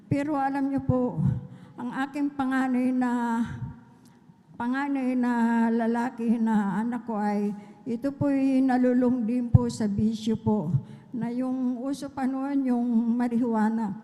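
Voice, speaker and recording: A woman's voice: a little high, fairly even intonation, a little slow, dark tone. A middle-aged woman from the Philippines giving an earnest personal testimony at a church service, retelling conversations and breaking in with praise. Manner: earnest storytelling with many quoted exchanges and praise interjections. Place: church worship hall. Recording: long hall reverb.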